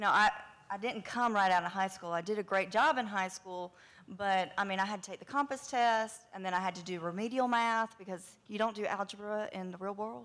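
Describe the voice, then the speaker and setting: A woman with an unremarkable speaking voice talks at a fairly quick pace, her loudness swinging widely. The recording is very clean, with a silent background. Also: medium pitch for a woman, ordinary pitch variation. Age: 30s. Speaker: transfer student, Marine veteran. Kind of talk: panel discussion.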